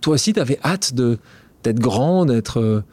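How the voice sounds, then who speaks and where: Podcast host, man, mid-pitched voice, informal, long winding questions. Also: lively intonation, a little slow, dark tone, dry recording. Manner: informal, rambling questions with restarts. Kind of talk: casual interview questions.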